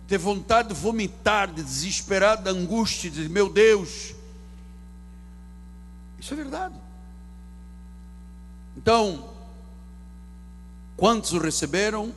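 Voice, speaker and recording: A man pastor, preaching a sermon from the pulpit with theatrical swings between loud and hushed delivery. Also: sits high, animated, slow pace, pauses often, slight background noise. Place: church sanctuary.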